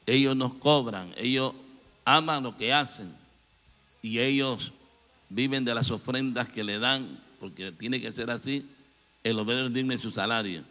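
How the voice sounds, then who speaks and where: A man preaching to his flock, his voice bright and forceful. He calls the crowd brother and sister, and his words ring out with a long echo through the church hall. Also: mid-range voice, measured pace. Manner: fervent preacher addressing congregation as brothers. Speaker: pastor. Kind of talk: church announcements and exhortation.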